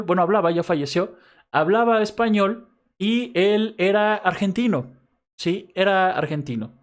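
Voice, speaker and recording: A male university professor with a Mexico City accent giving a recorded class lecture, explaining patiently and often checking in with his students using quick tag questions. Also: high voice. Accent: Mexico City Spanish.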